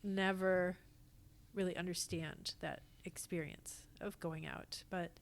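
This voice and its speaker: A woman's voice: fairly low pitch, steady tone, slow, gravelly. A middle-aged American woman talking casually as a theatre guest on a podcast. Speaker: podcast guest, theatre actor and company founder.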